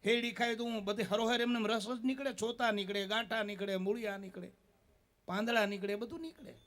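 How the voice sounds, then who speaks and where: High-voiced Kathiawadi man giving a folksy sermon. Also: fairly even intonation, fairly quick, fairly bright tone. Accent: Kathiawadi Gujarati. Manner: keeps asking listeners "eh?" as a tag; folksy, storytelling delivery. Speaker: spiritual discourse speaker. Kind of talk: devotional discourse with folk stories and sung verses.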